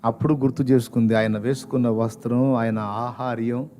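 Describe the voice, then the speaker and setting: A man's voice: mid-range voice, fairly even intonation, normal speed, mellow. A male pastor who preaches a sermon by telling a dramatic story with strong emotion.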